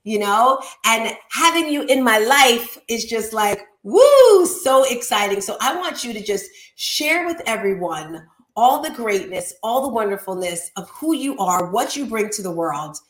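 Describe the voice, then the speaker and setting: A woman with a fairly high voice hosts an online show. She is animated and playful, given to exclamations, and talks in an informal, motivational style. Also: a little slow. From Caribbean. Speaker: talk show host.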